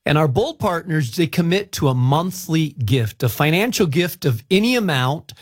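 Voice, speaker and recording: A man's voice: on the high side, expressive, moderate pace. A man from Spain, a pastor and radio host, speaking in a conversational promotional style.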